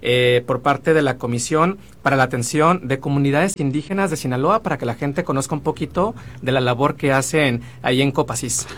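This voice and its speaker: A man's voice: medium pitch, a little fast, few pauses. A man hosting a radio interview in a studio booth, chatty with frequent fillers. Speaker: radio show host.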